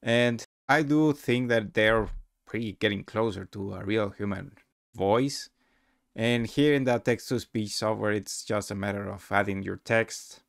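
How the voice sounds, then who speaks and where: Low, gravelly man presenting a demo. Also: a little slow, dry recording, studio quality. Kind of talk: casual screen-recorded tutorial narration.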